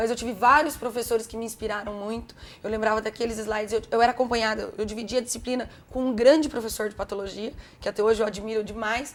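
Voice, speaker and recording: A very fast, fairly high female voice in a flat monotone. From Brazil, Umuarama, Paraná. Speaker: dentistry professor and course coordinator. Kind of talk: interview.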